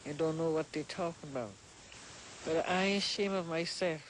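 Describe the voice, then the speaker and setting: A woman's voice: low voice, moderate pace. Elderly woman with an African American Gullah accent. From southern United States. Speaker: interviewee, community elder. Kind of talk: plain-spoken interview talk. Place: outdoors by a wooden house. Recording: noisy old outdoor documentary tape.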